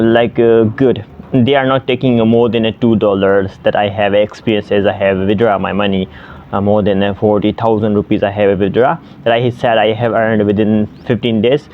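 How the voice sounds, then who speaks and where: A man's voice: on the low side, dull audio, slight background noise. A man in his twenties from Pakistan, a native Sindhi speaker, talking casually to the camera as an online language tutor, with many fillers and restarts. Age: 20s.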